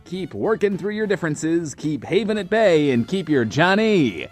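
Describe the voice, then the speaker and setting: A man's voice: fairly high pitch, big pitch swings, moderate pace, soft background music. A man playing a boastful, flirty post-apocalyptic radio host, showy and hammy, in an audio drama monologue. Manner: hammy, showy, refers to himself in third person.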